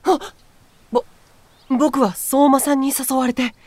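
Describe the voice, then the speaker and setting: A man's voice: very high-pitched, slow pace, a little mellow, dry recording. A man playing a timid, earnest young man in a voice drama, polite, deferential and hesitant. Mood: flustered. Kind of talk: Japanese voice drama acting.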